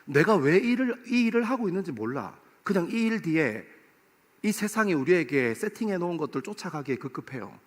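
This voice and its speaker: A pastor in his forties preaching to a young adults service in a church, playful and lively, acting out little scenes. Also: a little high, brisk. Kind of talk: sermon. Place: church sanctuary. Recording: long hall reverb.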